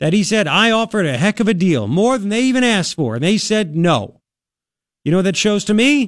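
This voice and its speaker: A man talks very fast in a high, animated voice with lively intonation. The recording is very clean, with a silent background. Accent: New York. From New York. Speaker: talk radio host. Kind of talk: political talk radio monologue. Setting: radio studio.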